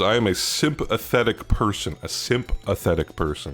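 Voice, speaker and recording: A man's voice with music in the background. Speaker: YouTuber. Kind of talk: casual commentary while taking a quiz. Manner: voice carries, loud; casual, rambling with fillers.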